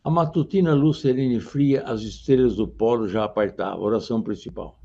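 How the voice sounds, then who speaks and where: An older man teaching a grammar class, reciting verses slowly and dramatically between explanations. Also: medium pitch, vocal fry, mellow. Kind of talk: lecture on grammar and poetry. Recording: dull lo-fi lecture recording.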